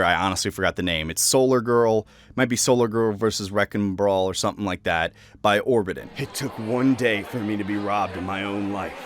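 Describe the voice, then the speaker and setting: His voice sits on the lower side, recorded without echo. He's a young adult voice actor offering relaxed, thoughtful commentary on his work and roles.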